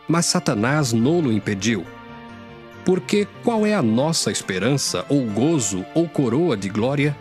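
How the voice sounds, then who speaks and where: This audio Bible reading features a man with a Brazilian accent whose mid-range voice carries a darkish tone. He is very animated yet unhurried, declaiming the scripted scripture solemnly as music plays underneath.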